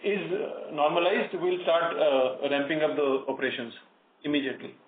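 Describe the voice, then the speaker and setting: A man with an Indian accent answers questions as an executive on an investor call. His voice is on the higher side and he speaks haltingly, doubling back on words. The phone sound is thin and echoey, as if he sits away from the microphone. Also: steady tone. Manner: hesitant, halting, repeats words. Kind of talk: earnings conference call answers. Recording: tinny phone line, roomy echo, distant, noisy.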